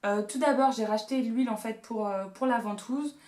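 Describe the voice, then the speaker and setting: A young woman in her twenties talks through a shopping haul at home, gushing over every find with playful asides. Her voice sits on the higher side. The camera mic picks up a noticeably echoey room. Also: normal speed, a little mellow. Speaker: beauty and haul vlogger. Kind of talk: casual haul video chat.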